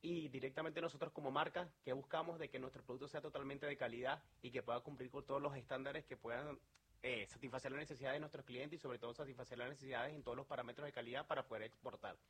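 Venezuelan man with a husky voice. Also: medium pitch, fairly even intonation, fast talker, fairly bright tone. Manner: earnest, promotional, with many fillers and restarts. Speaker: sales manager. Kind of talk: interview.

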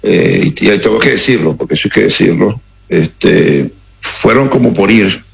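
A middle-aged man from Caracas with a Venezuelan accent, speaking slowly and gravely as a radio interview guest, with frequent halting pauses. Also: deep voice, animated, low-quality recording. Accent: Venezuelan Spanish. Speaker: interview guest, security operative.

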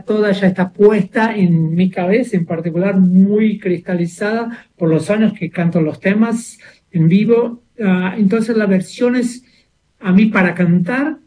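A man's voice: high voice, mellow, rough recording. A mature Brazilian man, a native Portuguese speaker with a Brazilian accent tinged with Buenos Aires Argentine, talking casually as a musician being interviewed, searching for words as he goes.

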